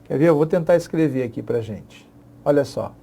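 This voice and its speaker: A man's voice: a little high, lively intonation, fairly quick, vocal fry, dark tone, husky. A middle-aged Brazilian man giving an exam-prep literature lesson, chatty, repeating key phrases and checking in with the class. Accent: Brazilian Portuguese. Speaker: literature teacher.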